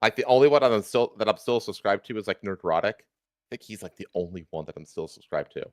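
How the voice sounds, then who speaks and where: A man with a fairly low voice, recorded dry and close to the ear. He rants casually like a livestream host, swearing often and repeating himself for emphasis. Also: expressive, fast talker, no echo. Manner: profane, emphatic, repetitive. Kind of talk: casual ranting chat.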